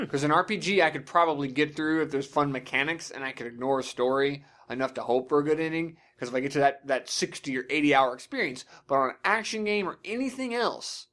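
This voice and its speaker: A man's voice: fairly high pitch, fast, fairly bright tone. A man hosting a casual video game podcast, chatting in an opinionated way and swearing freely. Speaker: podcast host.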